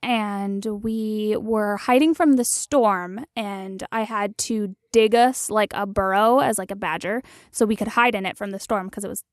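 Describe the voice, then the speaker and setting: A woman's voice: mid-range voice, steady tone, measured pace, few pauses, no room sound, clean studio sound. A young woman chatting as a guest in an interview, telling stories with lots of giggles and restarts. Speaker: guest player. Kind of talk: casual interview chat.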